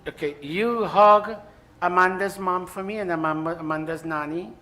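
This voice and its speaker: A man's voice: sits high, normal speed, sharp tone, soft background music. A man leading a temple ceremony, giving the congregation live directions with joking, apologetic asides.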